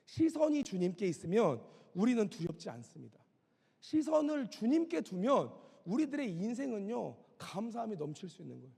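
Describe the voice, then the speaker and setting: A man's voice: high voice, big pitch swings, normal speed, creaky, warm tone, husky. A middle-aged male pastor preaching a storytelling sermon in a vivid, dramatic way, in a church sanctuary. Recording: long reverb of a church hall.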